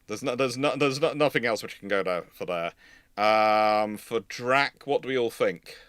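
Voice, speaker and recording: A man's voice: medium pitch, normal speed, fairly bright tone, clean tone, dry recording, studio quality. A man hosting a live history question-and-answer discussion, explaining his opinions emphatically with many digressions. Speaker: host, naval historian.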